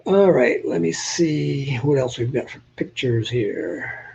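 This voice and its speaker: Older man, from New Hampshire, slight southern drawl, chatty live-stream host, mellow husky voice. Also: medium pitch, slow, muffled recording. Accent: Southern US with New England traces. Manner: chatty, joking, talks to viewers in chat. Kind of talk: casual live-stream chat showing old photos.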